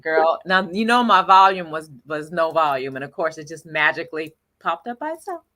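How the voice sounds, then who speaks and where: A woman's voice: sits low, lively intonation. A tired woman casually co-hosting a live stream, giggling and agreeing often. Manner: slow, warm-hearted, giggly, many affirming "yeah"s. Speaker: tarot channel co-host.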